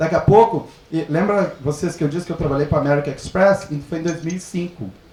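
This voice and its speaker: An animated man with a Brazilian accent and a high pitch. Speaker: accountant. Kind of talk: lecture.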